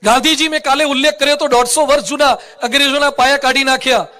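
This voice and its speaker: A monk giving a religious discourse to a live audience, playful and teasing, quizzing the children. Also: male voice, very high voice, fairly even intonation, quick pace, pushed and bright. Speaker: monk preacher. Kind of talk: humorous Gujarati religious discourse. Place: assembly hall with a live audience.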